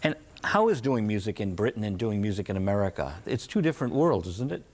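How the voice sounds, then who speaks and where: A man's voice: lowish voice, sing-song, quick pace. A man hosting a casual interview, chatty and interjecting with comments and questions. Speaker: interviewer, show host.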